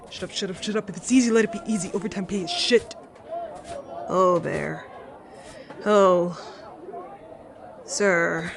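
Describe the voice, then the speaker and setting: A woman voicing a blunt, laid-back young embassy guard with a casual, slangy way of talking in an audio drama. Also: mid-range voice. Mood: offhand.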